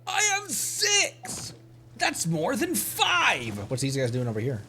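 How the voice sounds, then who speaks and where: A streamer giving casual, excitable commentary while playing a game, often exclaiming and talking to themselves. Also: medium pitch, slow pace, a little hiss or hum. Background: music.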